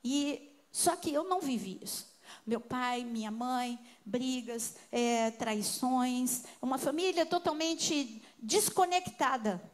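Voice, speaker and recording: An older Brazilian woman preacher giving a sermon with personal testimony, telling her story with emotion and swinging between soft and loud. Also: sits high, slow pace.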